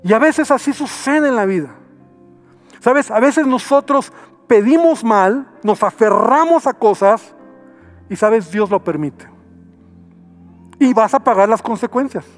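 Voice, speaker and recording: A pastor preaching a sermon with a Mexican Spanish accent, acting out people's pleas in short dramatic bursts and dropping to a near murmur to stress a point. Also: male voice, very high-pitched, lively intonation, measured pace, long pauses, faint music behind.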